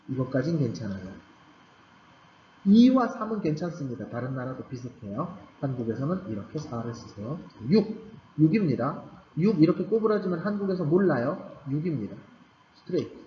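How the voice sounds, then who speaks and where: A man teaching a Korean language class to beginners, patiently repeating key points with emphasis. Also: a little high. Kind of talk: recorded grammar lecture for beginners. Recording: roomy, slightly dull recording with faint background hum.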